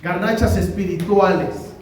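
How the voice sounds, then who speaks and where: In a church hall, a male pastor delivers a conversational sermon in Mexican Spanish, regularly questioning his congregation. His voice sits high and has a darkish tone, and he keeps a measured pace. He is captured from afar in a very echoey space with faint noise.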